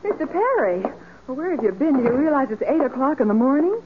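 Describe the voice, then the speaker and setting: Brisk, expressive secretary type, swinging intonation, vintage radio drama, narrow and noisy recording. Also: female voice, high voice. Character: brisk, lively female detective's assistant. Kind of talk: 1940s radio acting.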